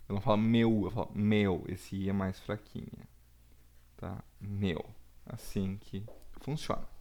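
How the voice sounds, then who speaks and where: Slow, low-voiced male teacher. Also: a little mellow. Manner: slow, deliberate explaining with frequent "tá?" checks. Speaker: Portuguese teacher. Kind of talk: recorded video lesson.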